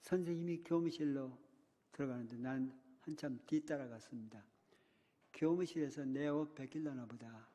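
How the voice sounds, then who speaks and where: A man's voice: medium pitch, normal speed, warm tone. An older man preaching a sermon, telling a childhood story and acting out the cries and words of the people in it. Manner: dramatic retelling, voicing childhood cries and a teacher's words. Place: church. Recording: long reverb of a church hall.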